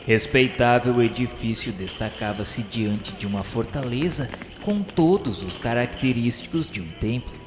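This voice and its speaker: A male narrator with a Brazilian accent tells a radio drama in solemn, literary phrasing. His mid-range voice rings with long reverb over clearly audible music. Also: medium pitch, lively intonation, measured pace, hardly any pauses. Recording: reverberant hall effect, music behind.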